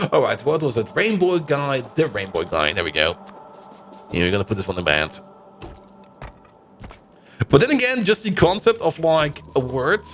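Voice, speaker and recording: Lively, laughing streamer guy. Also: mid-range voice. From Germany. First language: Dutch. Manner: chatty, laughs often between remarks. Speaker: game streamer. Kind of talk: casual live-stream chat while gaming.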